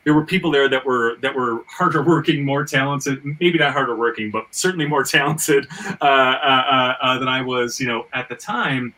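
A man with a sharp, bright voice hosts a casual panel discussion. He works through his points aloud, often doubling back and stammering on small words. He sounds a little removed from the microphone. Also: medium pitch, moderate pace, few pauses, distant mic, rough recording. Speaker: podcast host; screenwriter and fiction writer. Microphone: video call.

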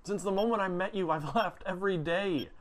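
A man's voice: high-pitched, a little fast, slight background noise, lightly acted. An actor playing a devoted man pleading tenderly at his lover's hospital bedside, stammering as he talks. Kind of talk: TV drama acting.

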